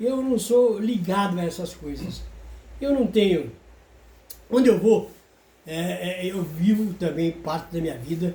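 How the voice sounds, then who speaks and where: A man with a high pitch and a dark, mellow tone speaks at a fairly slow pace with lively intonation. Long, frequent pauses break up his speech, and audible room echo surrounds it. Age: 70s. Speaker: retired sports journalist. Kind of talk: interview. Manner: hesitant, many filler sounds.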